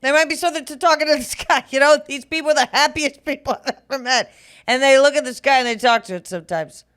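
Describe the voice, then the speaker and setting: Woman podcast cohost, kinda raspy, high-ish voice, rambly storyteller, laughs a lot. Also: quick pace, a bit bright. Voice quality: slightly raspy from a lost voice. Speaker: podcast co-host. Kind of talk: casual comedy chat.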